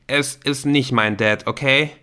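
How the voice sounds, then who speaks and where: A man's voice: mid-range voice, fairly even intonation, takes it slowly, bright, forceful tone, clean tone. Audiobook: sullen, worn-out teen, clipped and defensive, read by a man. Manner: curt, defensive. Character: sullen tired teenage boy, defensive.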